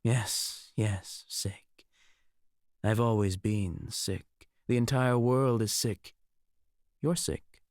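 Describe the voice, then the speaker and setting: Man playing a low-voiced, menacing mad mage. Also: drawn-out words, no room sound, clean studio sound. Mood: unhinged, brooding. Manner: odd inflections, sardonic, expressive delivery. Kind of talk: audiobook character acting.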